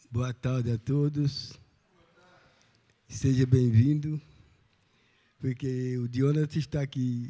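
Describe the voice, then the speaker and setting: Very slowly, with long, frequent pauses, a man speaks in a flat monotone at a medium pitch, his tone dark and mellow. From Brazil, Minas Gerais (Itabira). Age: 80s+. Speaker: quilombola community elder. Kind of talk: panel talk. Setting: museum panel with audience. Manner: halting.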